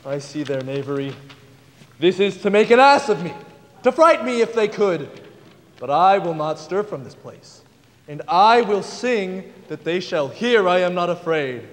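High-pitched, hammy tragic lover. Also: male voice, big pitch swings, unhurried. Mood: defiant bluster. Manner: overwrought, melodramatic. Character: hammy, foolish amateur actor playing tragic lover. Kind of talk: comic staged Shakespeare reading. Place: stage in large auditorium. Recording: echoey theatre hall.

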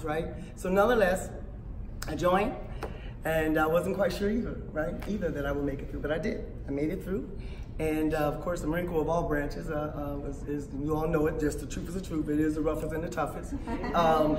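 A raspy-voiced woman, animated and emphatic, telling her story on a panel and laughing often. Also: deep voice, reverberant, far from the mic, background noise. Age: 50s. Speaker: panel speaker, veteran author. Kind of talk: conversational storytelling. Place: small indoor room at a conference.

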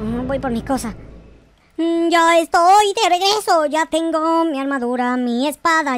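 Whiny little noob kid in a game video, super high voice, dramatic, repeats everything. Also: male voice, a bit bright. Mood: panicked, indignant. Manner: melodramatic, exclaiming, repeating words. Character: naive, whiny, excitable young boy gamer noob. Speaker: gaming video creator. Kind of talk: excitable gameplay roleplay in slangy speech.

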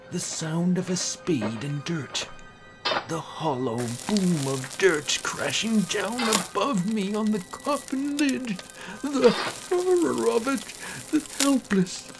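Slow, theatrical male horror narrator. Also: sits high, low-quality recording. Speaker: narrator, amateur voice actor. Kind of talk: dramatic first-person horror story narration.

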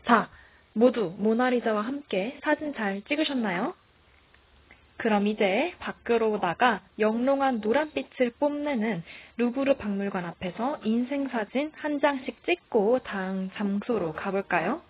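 A woman's voice: a little high, a little slow, husky, narrow, tinny audio. A young woman narrating a walking tour, speaking cheerfully and directly to her viewers. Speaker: tour guide. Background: music.

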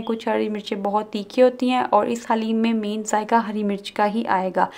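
A woman host narrating a cooking video, calmly explaining each step and mixing in English words. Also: a little high. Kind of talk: recipe voice-over narration.

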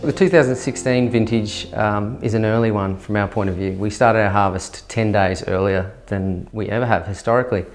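A man, speaking as a winemaker in a filmed interview, measured and dotted with fillers. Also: on the low side, fairly even intonation. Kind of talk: documentary interview. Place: indoor winery tasting room. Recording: music bed underneath.

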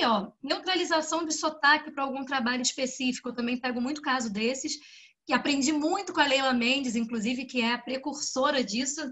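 A woman speech therapist with a Brazilian Portuguese accent gives a lively, chatty lecture and often asks rhetorical questions. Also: high-pitched. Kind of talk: symposium lecture.

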